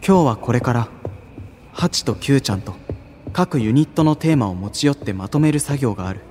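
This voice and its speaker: A man playing a modest, sensitive young male idol in an anime-style audio drama, speaking softly and politely with some hesitance. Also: medium pitch, expressive, fairly quick, faint music behind, natural voice. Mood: resolved, reflective.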